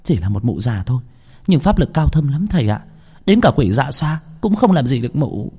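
A man's voice: mid-range voice, very animated, normal speed, mellow, slightly rough, voice pushed up. Young female apprentice to a sorcerer, deferential and uneasy, in a ghost-story reading, played by a man. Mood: wary report.

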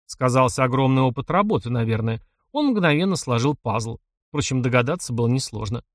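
A man narrates a first-person novel with a wry, ironic touch. His voice sits at an ordinary pitch for a man. The recording is dry and close, with no room sound. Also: expressive, a little fast, dry recording. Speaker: audiobook narrator.

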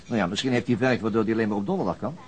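A man acting as a gruff, world-weary senior detective in a naturalistic radio drama, curt and understated. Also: on the low side, animated, very fast, natural voice. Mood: musing, terse.

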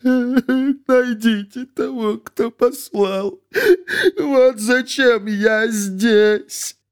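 A man voicing a mad, erratic jester from a storybook who hisses and breaks into shouts. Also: fairly high pitch, big pitch swings, moderate pace. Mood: tearful. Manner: jumpy, hissing, bursts into shouts.

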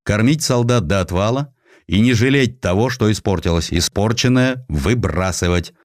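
A man's voice: lowish voice, lively intonation, normal speed, dry recording, clean studio sound, lightly acted. A man voicing a decisive, demanding army commander, giving orders in emphatic phrases in a dramatised historical story. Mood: firm orders.

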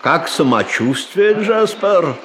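An actor playing a genial, unhurried bank boss in a radio play, with drawn-out friendly greetings. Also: male voice, high voice, sing-song, music in the background, heavily acted. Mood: jovial.

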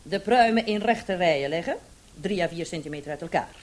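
An actress playing a brisk, bossy and easily distracted female police commissioner in a comic radio play. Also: on the low side, lively intonation, a little mellow, close to an everyday voice. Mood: businesslike, bossy.

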